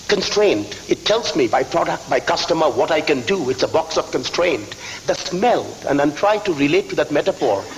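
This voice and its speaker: A high-pitched man with an Indian accent speaks at a moderate pace with lively intonation and very even loudness. Noticeable background noise is present. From India, Calcutta. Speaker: business school professor. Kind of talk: lecture. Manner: repetitive stammering restarts.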